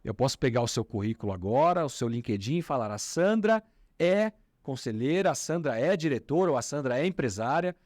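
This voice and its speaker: A man's voice: mid-range voice, a little fast, no room sound, clean studio sound. A man hosting an interview, plugging the program and asking his guest about her origins. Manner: lively, promotional, asks leading questions. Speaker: host.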